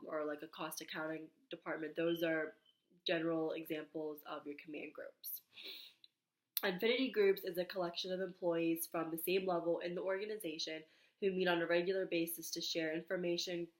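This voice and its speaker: A young woman under the weather, her stuffed-up voice sitting somewhat low and a little raspy. She walks through her presentation slide by slide, reading the points aloud and filling gaps with ums and small restarts. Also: poor audio. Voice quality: slightly raspy. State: nasal congestion, under the weather. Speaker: student presenter. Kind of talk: recorded class slide presentation.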